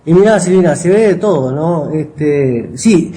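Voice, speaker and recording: This interview guest, a writer and copy editor, is a middle-aged man with a Rioplatense Spanish accent. He talks through his answers a little slowly, with an expressive, mellow, fairly high voice, frequently tacking on short tag questions to check in. Audio quality is poor.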